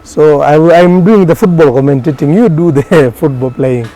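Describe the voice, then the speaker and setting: Speaking as a guest in a relaxed interview, a journalist from Kenya describes how his career unfolded, with plenty of fillers and restarts. He grew up in Garissa, and Somali is his first language. His voice is on the high side and warm, at a moderate pace.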